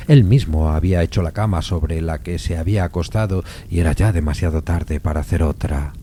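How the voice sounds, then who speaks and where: Very deep, dark-voiced male narrator. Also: slight background noise. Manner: measured, solemn storytelling. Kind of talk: scripted literary narration of a gothic suspense story.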